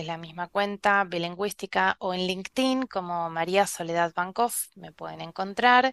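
Her tone is bright and sharp, and the woman speaks at a fairly slow pace with ordinary pitch variation. The sound is dry and close with no echo, over a quiet background. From Argentina, Buenos Aires and Patagonia. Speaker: language teacher and translator. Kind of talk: interview.

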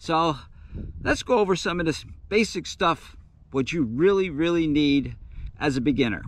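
At a moderate pace, a man with a fairly high pitch speaks with lively intonation, very even loudness and long, frequent pauses, in a dry sound with no echo. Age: 60s. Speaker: full-time overlander living in his vehicle. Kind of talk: casual talk to camera. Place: open country. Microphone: phone near.

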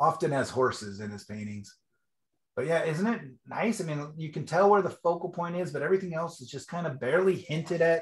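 With an American accent, a man talks at a fairly quick pace, somewhat breathy and with lively intonation. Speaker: painting instructor. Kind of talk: online class. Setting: video call.

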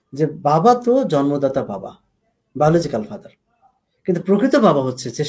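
Somewhat breathy and fairly high-pitched, a man speaks with very wide pitch swings and big swings in loudness. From Bangladesh, Kushtia. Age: 40s. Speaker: English teacher and career advisor. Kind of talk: radio call-in advice talk. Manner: animated.

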